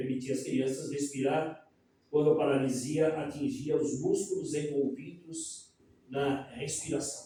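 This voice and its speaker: This man has an unremarkable speaking voice, fairly high in pitch, moving at a moderate pace with fairly even intonation and big swings in loudness. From Brazil, São Paulo. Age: 60s. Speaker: journalist and author. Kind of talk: talk with slides.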